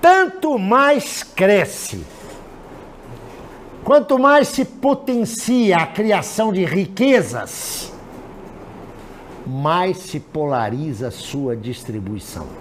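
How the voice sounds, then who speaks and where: Very slowly, with long, frequent pauses, a man speaks at a high pitch with very wide pitch swings, over noticeable background noise and audible room echo. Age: 60s. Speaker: professor. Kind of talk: lecture. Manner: conversational.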